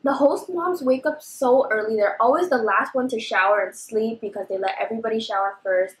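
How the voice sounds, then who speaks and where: A woman's voice: fairly high pitch, fairly quick. Bubbly chatty young woman, echoey room. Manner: bubbly, chatty, says "like" often. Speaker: vlogger. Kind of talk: casual eating vlog chat.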